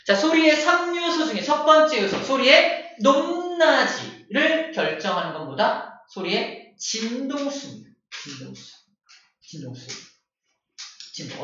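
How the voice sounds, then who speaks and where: Playful male teacher in an echoey classroom. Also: high-pitched. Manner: playful, animated, acts out example voices. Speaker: middle school science teacher. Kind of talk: classroom lecture. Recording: dull, echoey from far off.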